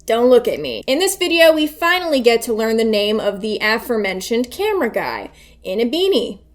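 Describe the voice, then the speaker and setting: High-voiced, sarcastic woman doing video commentary. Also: big pitch swings, a little fast. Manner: sarcastic, foul-mouthed. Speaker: host of a video commentary channel. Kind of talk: casual, irreverent commentary on an internet video.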